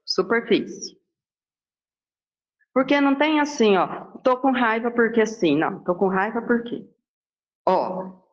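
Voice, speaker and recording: A woman from Brazil leading a Sunday spiritist gospel study, talking conversationally and asking herself rhetorical questions. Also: on the high side. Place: Spiritist center hall. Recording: dull lo-fi sound.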